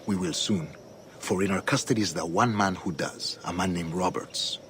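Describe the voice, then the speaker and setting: An actor playing a scheming older Templar governor, measured and solemn, often dropping to a hush. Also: male voice, low voice, slight background noise. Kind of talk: video game cutscene acting. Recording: game audio over music.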